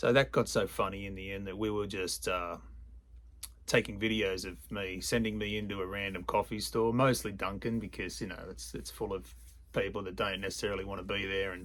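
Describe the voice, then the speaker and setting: A man with an Australian accent, fairly low pitch, vocal fry, ordinary pitch variation and a fairly quick pace. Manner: casual, humorous storytelling.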